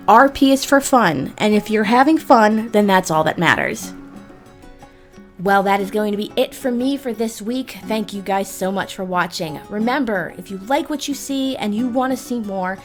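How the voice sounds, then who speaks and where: A woman hosting a video, narrating a scripted explainer in a measured, deliberate way with emphatic pauses. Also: a little high. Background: background music.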